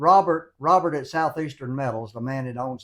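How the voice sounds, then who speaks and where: Here a man speaks with a Mississippi accent. He keeps a fairly quick pace. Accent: southern US, Mississippi. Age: 70s. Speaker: blade sharpening tradesman. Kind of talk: casual tutorial.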